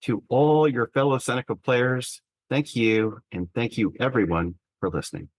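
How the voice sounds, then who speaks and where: A man's voice: mid-range voice, normal speed, low-quality recording. A man co-hosting an interview show in a conversational style. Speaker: show co-host.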